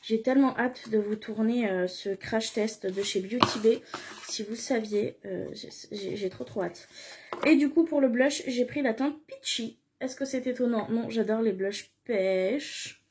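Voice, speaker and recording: A woman's voice: a little high, unhurried, background noise. A young woman chatting casually in a beauty haul video, gushing with enthusiasm and repeating words for emphasis. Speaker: beauty vlogger.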